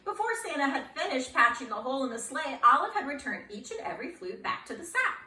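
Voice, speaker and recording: Animated lady reading to kids, high voice, playful, asks the kids stuff. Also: fast talker, reverberant, far from the mic. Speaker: librarian reading aloud. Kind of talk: expressive storybook read-aloud for children.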